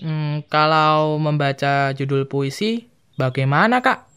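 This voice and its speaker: Smooth-voiced young student asking questions. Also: male voice, on the high side, slow pace, fairly bright tone. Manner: curious, questioning. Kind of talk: asking questions in a scripted lesson.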